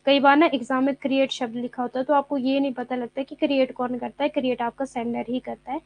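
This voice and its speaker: A woman teaching an online exam-prep lecture. She explains by repeating words and reads English notes slowly. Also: high-pitched, level tone, lo-fi sound.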